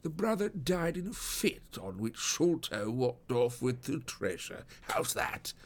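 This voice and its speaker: A man voicing a stout, self-satisfied police detective in an audiobook, with a husky, muffled wheeze and a pompous, emphatic delivery. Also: medium pitch, big pitch swings, measured pace. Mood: smug bluster. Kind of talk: audiobook character acting.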